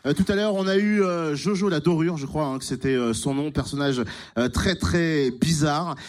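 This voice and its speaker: A man's voice: a little high, normal speed. A man hosting a live radio show, upbeat and joking with his guests. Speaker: radio host. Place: radio studio.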